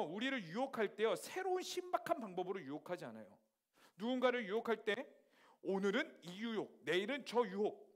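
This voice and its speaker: A young man preaching a sermon to a youth congregation, lively and acting out the people he quotes. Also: extremely high pitch. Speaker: youth pastor.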